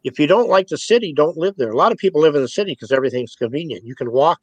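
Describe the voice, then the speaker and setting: A man's voice: fairly high pitch, lively intonation, very fast, no echo. A man in his sixties being interviewed, talking in a rambling, folksy way and chuckling between points. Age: 60s. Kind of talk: casual spoken interview.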